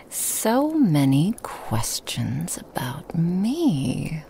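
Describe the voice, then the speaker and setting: A woman voicing a seductive, sly female Christmas demon in an ASMR roleplay, whispering softly and teasing. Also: sits low, big pitch swings, extremely slow, creaky, slight background noise, exaggerated voice, low-quality recording. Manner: soft whispering, teasing and insinuating.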